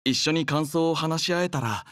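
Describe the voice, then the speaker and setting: A man voicing a courteous, earnest young android soldier in an anime game, speaking in a polite, formal, measured manner. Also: on the high side, a bit bright, dry recording, studio quality, lightly acted. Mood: polite, soft. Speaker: game character voice. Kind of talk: scripted anime game voice lines.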